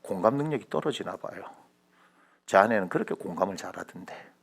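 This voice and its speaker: A man preaching a sermon as senior pastor, colloquial and dramatic, moving from hushed asides to shouted lines. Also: low voice, lively intonation, a little fast, creaky, breathy edge. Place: church sanctuary.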